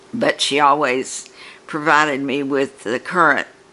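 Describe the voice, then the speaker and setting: Noticeable background noise accompanies a woman whose pitch is very deep and low. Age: 80s+. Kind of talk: family history interview reminiscence. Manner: slow, hesitant with fillers.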